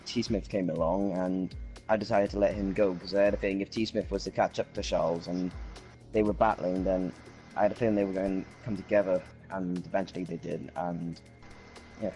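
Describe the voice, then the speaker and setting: A man from Wales with a fairly low voice answers questions as a racing driver. He speaks casually, with faint music behind him. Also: fairly even intonation, brisk, warm tone, low-quality recording. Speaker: racing driver being interviewed. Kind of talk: casual post-race interview.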